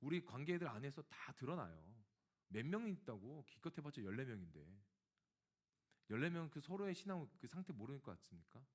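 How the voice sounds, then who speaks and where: A man's voice: medium pitch, fairly quick, slightly rough. A male pastor preaching a sermon, telling a personal story and speaking directly to his congregation. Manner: animated storytelling, acting out dialogue.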